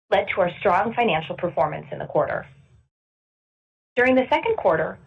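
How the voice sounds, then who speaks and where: A woman's voice: medium pitch, slightly rough. A woman reading a scripted earnings report as a finance executive, formal and businesslike, in distant, slightly dull conference-call audio.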